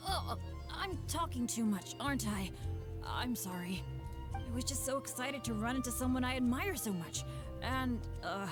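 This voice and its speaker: A woman's voice: a little high, lively intonation, normal speed, music in the background, lightly acted. A woman voicing an eager, chatty, starstruck teenage boy adventurer in a video game. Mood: sheepish, starstruck. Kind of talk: video game character dialogue.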